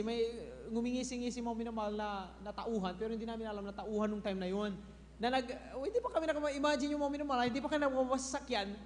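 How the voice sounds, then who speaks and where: A man giving a church testimony to a congregation, telling his story and often addressing them as beloved. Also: extremely high pitch. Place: church hall. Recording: echoey hall with faint noise.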